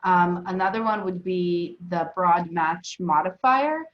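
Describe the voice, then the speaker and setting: A woman's voice: on the low side, lively intonation, unhurried. A woman with a Southern US accent teaching a live class in a casual way, with many fillers and restarts. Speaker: instructor. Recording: echoey, muffled room sound.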